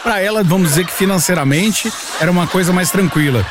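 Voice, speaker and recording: A man's voice: sits high, fast talker, background noise. A man hosting a radio show, teasing callers in playful banter and laughing often.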